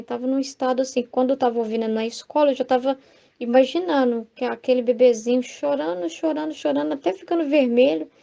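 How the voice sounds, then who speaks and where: A woman's voice: high voice, creaky, dark tone. A Brazilian woman leading a Catholic devotional study, talking conversationally with frequent "né?" and reading passages aloud. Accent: Brazilian Portuguese. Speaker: Bible study teacher.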